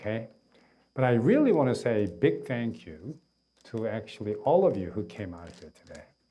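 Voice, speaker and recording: Dark, mellow tone with vocal fry, lively intonation, big swings in loudness, and a moderate pace. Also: man, fairly low pitch for a man. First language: Korean. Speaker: lecturer. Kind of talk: lecture. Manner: halting.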